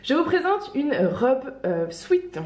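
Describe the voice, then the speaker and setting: Woman, bit stuffy from a cold, rambly chatty shop vlog, slightly high voice, echoey room. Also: sing-song, slow, a little mellow. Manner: chatty, many fillers and restarts, light laughs. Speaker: online clothing shop owner. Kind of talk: casual fashion try-on vlog.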